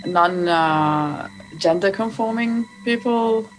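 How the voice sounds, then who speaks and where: A woman's voice: mid-range voice, slow pace, poor audio. A woman from Lebanon interviewing a musician in a casual chat, with many fillers and a chatty, friendly manner. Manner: chatty, with frequent fillers and laughs. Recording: music playing loudly behind.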